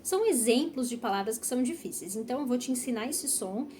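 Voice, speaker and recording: A young Brazilian woman teaching Portuguese pronunciation in an online lesson, speaking model phrases slowly and carefully for learners to repeat. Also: a little high, lively intonation, mellow, a little hiss or hum. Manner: slow, over-articulated model phrases for repetition.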